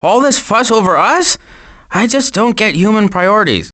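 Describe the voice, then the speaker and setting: A man voicing a fretful, long-suffering turtle in an animated video game. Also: sits high, normal speed. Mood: fretful, exasperated. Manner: fretful, exasperated, hesitant.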